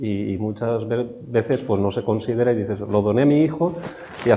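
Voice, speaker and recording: Audible room echo surrounds a man speaking at a moderate pace in a medium pitch. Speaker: tax advisor. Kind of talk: talk at a seminar. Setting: hotel conference room with audience, microphone. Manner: soft-spoken; halting.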